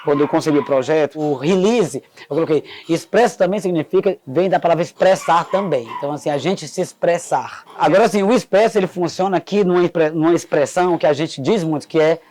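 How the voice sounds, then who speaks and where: A middle-aged man telling stories about his neighborhood in a casual, animated way, often adding "né". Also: on the high side, quick pace, hardly any pauses. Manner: animated, fond of "né". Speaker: local resident and geographer guest. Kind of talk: casual storytelling. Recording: faint background noise.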